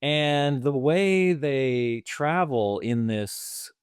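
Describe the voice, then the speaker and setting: A man's voice: on the low side, clean tone, no echo, studio quality. A man co-hosting a movie podcast, eagerly retelling film scenes at length in casual chat. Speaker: podcast co-host.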